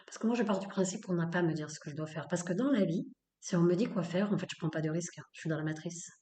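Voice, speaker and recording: A woman speaks in a low, mellow voice, blunt and opinionated. She talks with many fillers and repeated phrases, hosting a podcast episode in an echoey room. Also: quick pace. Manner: emphatic, repetitive, with many fillers. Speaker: podcast host. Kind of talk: spoken-word episode.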